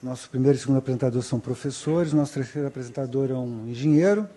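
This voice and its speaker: Dark-voiced man moderating a panel. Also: medium pitch, racing, husky. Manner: informal, checking facts aloud. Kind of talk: introducing a speaker. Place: conference hall.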